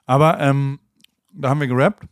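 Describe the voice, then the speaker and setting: A podcast host chats casually in a middle-pitched voice. He rambles and laughs through his stories. The sound is dry and close. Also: steady tone, a little fast, smooth, no echo. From Kurpfalz, Germany. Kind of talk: casual chat.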